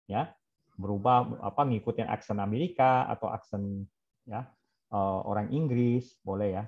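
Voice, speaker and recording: A man's voice: mid-range voice, darkish tone. Brief: male trainer, keeps asking the class questions, drops in English example lines, dull lo-fi audio. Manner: quizzes trainees, mixes in English example phrases. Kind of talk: interactive online class.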